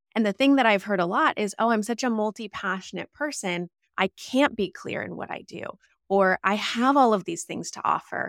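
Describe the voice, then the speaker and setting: In an unremarkable speaking voice, a woman with a fairly high pitch talks with lively intonation on a very clean recording with a silent background. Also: dry, close sound with no echo. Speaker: podcast host. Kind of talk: podcast interview, intro and conversation.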